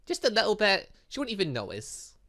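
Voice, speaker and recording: A man's voice: high-pitched, wildly swooping pitch, brisk, pushed and bright, voice pushed up, heavily acted. A man voicing a cheeky, blunt young female student who teases and lectures, in a visual novel game. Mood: pleading, sly. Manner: teasing, lecturing.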